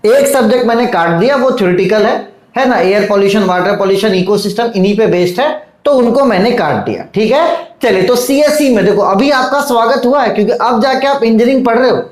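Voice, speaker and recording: A male teacher giving an online lecture to students, coaxing and fatherly, often pausing to check "okay?" and "look". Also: sits high, lively intonation, reverberant, low-quality recording. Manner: repeats checks like "theek hai" and "dekho".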